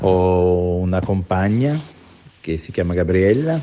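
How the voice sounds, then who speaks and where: Pitched very deep and low, a man talks with ordinary pitch variation. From Borgaretto, near Turin, northern Italy. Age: 50s. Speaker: interviewee. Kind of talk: recorded interview monologue. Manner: hesitant.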